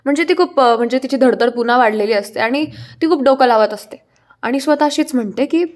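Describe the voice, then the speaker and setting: A woman's voice: sits high, brisk. A woman casually recapping a TV serial episode, chatty, with fillers and restarts.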